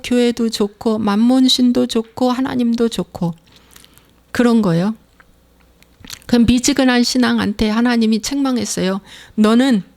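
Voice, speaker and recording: A woman's voice: fairly high pitch, darkish tone. A middle-aged woman pastor preaching a sermon, emphatic and repeating her phrases. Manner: emphatic, repeats phrases, acts out inner voices.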